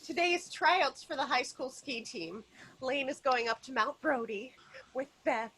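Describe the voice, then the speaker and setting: Woman acting sweet high-pitched suburban housewife. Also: unhurried, fairly bright tone, slightly rough, full character voice, low-quality recording. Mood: sweetly earnest. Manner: soothing, cooing, earnest. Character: sweet, placating, naive suburban housewife and mother. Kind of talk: script table read, comedic acting.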